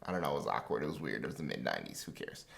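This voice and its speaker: A man's voice: a bass voice, sing-song, very fast, gravelly, a bit bright. A man giving a casual, joking youth sermon in a conversational, slangy way. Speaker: youth pastor.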